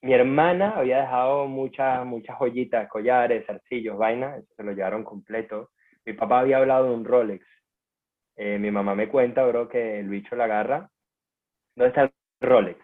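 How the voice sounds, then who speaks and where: A man's voice: medium pitch, fairly even intonation, normal speed. A man with a Venezuelan accent, a podcast guest telling a story in casual, slangy talk. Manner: slangy, informal. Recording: narrow phone-like sound.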